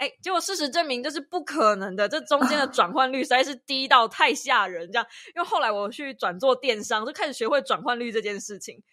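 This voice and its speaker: Projecting her raised voice with a bright, sharp tone, a woman speaks at a high pitch and a fairly quick pace, with lively intonation and hardly any pauses. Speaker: book-review YouTuber. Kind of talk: casual interview. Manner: chatty, talkative.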